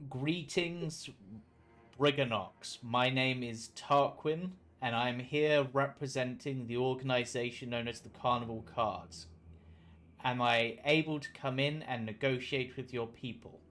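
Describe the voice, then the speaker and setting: A man's voice: medium pitch, unhurried, a bit bright, lightly acted. A man voicing a bold, formal monarch in a regal, declamatory manner for a tabletop game. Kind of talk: tabletop role-play.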